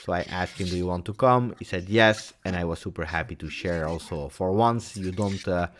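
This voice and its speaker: A man hosting a casual live stream, talking in an animated way with many fillers and repeated words. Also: low voice, fairly quick, slight background noise. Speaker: host of a fan channel.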